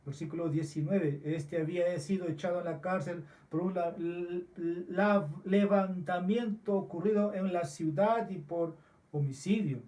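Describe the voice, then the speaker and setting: A man preaching a sermon as pastor, slow and deliberate with frequent restarts, recorded in a church. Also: sits high, dark tone, distant mic. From Peru.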